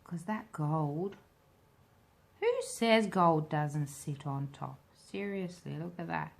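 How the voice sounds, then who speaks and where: A woman with a slight smoker's rasp hosting a casual hands-on craft tutorial, thinking aloud informally as she works. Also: sits low, very animated, slow. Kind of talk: casual hands-on demo chat.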